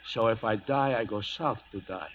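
Fatalistic male ranch hand played by a man, Mexican accent, lower pitch, dull vintage radio sound. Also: normal speed, fairly bright tone, a little hiss or hum, lightly acted. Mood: resigned, mournful. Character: resigned, mournful Mexican cowhand. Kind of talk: 1940s radio western acting. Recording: muffled old radio, off-mic.

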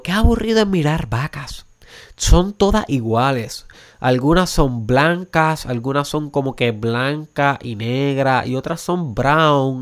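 Emphatic Puerto Rican podcast host. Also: male voice, medium pitch. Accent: Puerto Rican Spanish. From Puerto Rico. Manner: emphatic, rising to urgent rhetorical questions; drops English words into Spanish. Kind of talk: motivational podcast monologue.

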